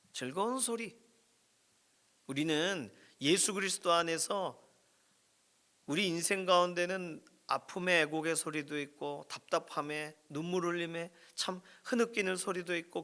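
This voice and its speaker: Bright-voiced Korean pastor preaching. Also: male voice, on the high side, clear, resonant tone. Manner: expressive preaching, voice swelling and dropping to near whisper. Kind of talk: sermon. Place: church prayer room.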